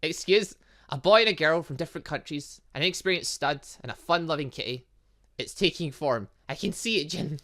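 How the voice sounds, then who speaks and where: Man reading as an excitable, flirty lady novelist. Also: a little high, fairly quick. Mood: inspired. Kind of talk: visual novel game dialogue read aloud.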